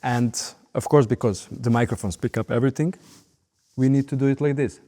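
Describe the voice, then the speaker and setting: A man's voice: medium pitch, fairly even intonation, brisk, very noisy. Serbian-accented man in a reverberant hall. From Belgrade, Serbia. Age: late 30s. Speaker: professional orchestral violinist being interviewed. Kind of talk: interview monologue. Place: large recording hall.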